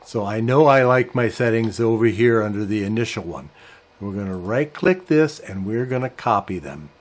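A man in his sixties giving a measured, step-by-step software tutorial as the host of a hobby channel. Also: on the low side, animated. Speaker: host of a ham radio channel. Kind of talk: software tutorial and review talk to camera. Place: small indoor home radio workshop.

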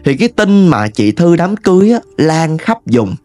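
A man with a Southern Vietnamese accent narrating a ghost story in a chatty, animated way, talking straight to his listeners. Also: fairly high pitch, normal speed, faint music behind.

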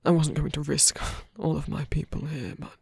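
Man playing a breathy, husky villain in love. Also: fairly high pitch, fairly even intonation, a little mellow, no echo, clean studio sound, full character voice. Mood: earnest, pained. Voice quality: breathy, husky, often whispering. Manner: halting, hesitant confession with small sighs. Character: villain in love, flirtatious yet sincere, protective man. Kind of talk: ASMR roleplay, intimate one-sided dialogue.

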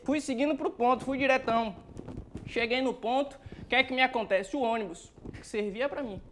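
A man's voice: extremely high pitch, brisk, fairly bright tone, slight background noise. A man with a Bahian accent telling a comic story, acting out scenes animatedly with sound effects. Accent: Bahian Portuguese. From Salvador, Brazil. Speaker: stand-up comedian.

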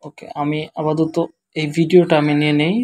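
A tired man with a Bangladeshi accent, speaking quietly and slowly as he walks through a screen-share tutorial. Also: fairly high pitch, level tone. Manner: quiet, slow, tired-sounding talk. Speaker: web developer teaching SEO.

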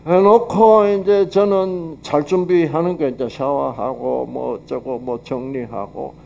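At a health seminar, a man gives a lecture with Bible teaching, speaking conversationally, putting rhetorical questions to his audience and acting out quoted dialogue. His voice is a little high, gravelly and darkish, steady in tone and a bit slow. A slight hiss or hum is audible.

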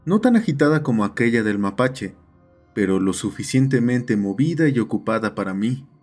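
Man, medium pitch, scripted storytelling, horror channel host, background music. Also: expressive, normal speed, darkish tone.

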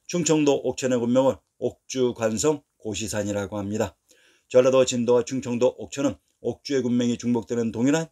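A man narrates a history explainer in an even, measured read, moving through dates and place names one after another. His voice sits at an ordinary middle pitch for a man, neither deep nor high. The delivery stays scripted and unhurried throughout.

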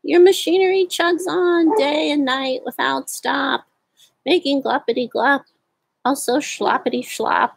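A woman voicing a fussy, scolding small male forest creature in a storybook reading, with high drawn-out cries. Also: vocal fry, slight background noise, full character voice.

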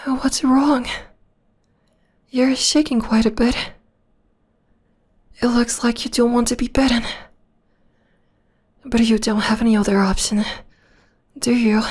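Slow, possessive vampire girl played by a woman. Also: fairly high pitch. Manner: soft, breathy, intimate, lingering delivery with whispers. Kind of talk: ASMR roleplay.

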